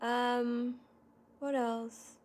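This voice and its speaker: A woman in her thirties talks casually to her viewers. Her voice sits a little higher than most women's. She keeps a loose, chatty flow, full of "like" and "you know". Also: flat delivery, extremely slow, a little mellow. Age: 30s. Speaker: content creator. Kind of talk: casual livestream chat answering viewers.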